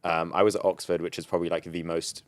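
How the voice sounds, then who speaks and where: A man from London with a British accent, a podcast guest telling his story in a measured, thoughtful way. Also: sits low, little pitch movement, no echo. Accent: British English. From London, England. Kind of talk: reflective casual chat.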